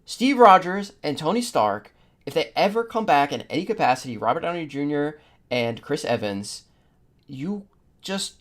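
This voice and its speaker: Casual, emphatic male podcast host. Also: fairly high pitch. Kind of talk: casual opinionated panel chat.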